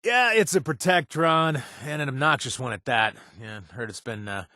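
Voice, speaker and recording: An actor playing a wry, sarcastic companion in a video game who hands out kill jobs, stammering and joking. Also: male voice, mid-range voice, moderate pace, dry recording, lightly acted. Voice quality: animated, sarcastic delivery with hesitant stammers. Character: wry young man, quest-giving companion, sarcastic and jumpy. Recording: dry studio sound.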